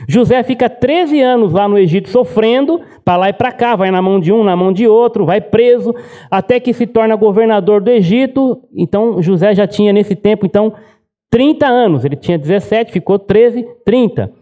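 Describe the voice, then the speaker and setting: A male pastor preaching a sermon, retelling a Bible story conversationally and often tagging on quick questions. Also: high voice, warm tone, highs cut off.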